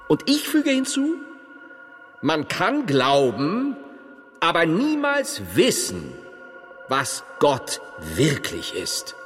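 A man playing a devout, self-assured medieval monk and philosopher in a theatrical drama, declaiming deliberately with scholarly emphasis. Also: on the high side, long reverb tail, heavily acted. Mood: solemn, pondering. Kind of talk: theatrical German dialogue drama.

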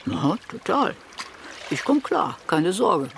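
Chummy old lady sea creature, super laid back and deadpan, water splashing behind. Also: fairly low pitch, slow, creaky, noisy background, full character voice. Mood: laid-back, knowing. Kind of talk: naturalistic conversational radio drama. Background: sea water splashing and trickling.

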